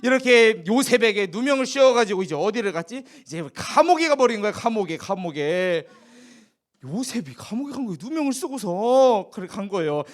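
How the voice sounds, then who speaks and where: A man's voice: high-pitched, brisk. A man preaching a children's sermon, telling a Bible story and asking the children questions as he goes. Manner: animated, asks the children questions.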